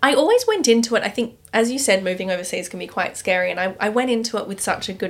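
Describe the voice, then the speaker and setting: In an Australian accent, a woman talks at a very fast pace. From Australia, Sydney. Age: 30s. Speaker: business executive. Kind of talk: interview. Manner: calm.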